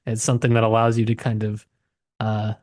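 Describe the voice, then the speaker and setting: A man's voice: fairly low pitch, monotone, fairly quick, darkish tone, no room sound. Man thinking aloud, dry studio-like sound. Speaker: podcast co-host. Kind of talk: casual discussion of literature.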